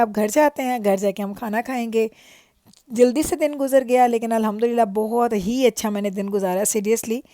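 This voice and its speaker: A middle-aged woman with a Pakistani accent narrates a family lifestyle vlog, chatty and reflective, mixing in English phrases. Her voice is a little high and mellow, captured with clean studio sound and no room echo.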